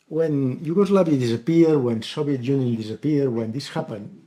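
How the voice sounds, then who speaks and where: A man with a Catalan Spanish accent, medium in pitch, with ordinary pitch variation. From Catalonia, Spain. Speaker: professor of international relations. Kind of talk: lecture. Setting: lecture hall with audience. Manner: halting.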